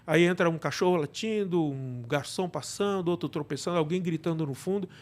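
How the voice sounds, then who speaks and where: A man's voice: fairly high pitch, fairly quick. A man with a Brazilian accent explaining things in a casual interview, often checking in with short tag questions. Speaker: interview guest, audio drama producer.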